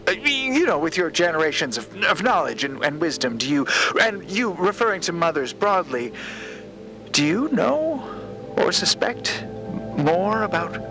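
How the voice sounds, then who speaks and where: An actor playing a flustered, eager and deferential space explorer who stammers and rambles in a podcast drama. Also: male voice, on the high side, very animated, moderate pace, over music, low-quality recording. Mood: awed, hesitant. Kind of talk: fiction podcast character acting.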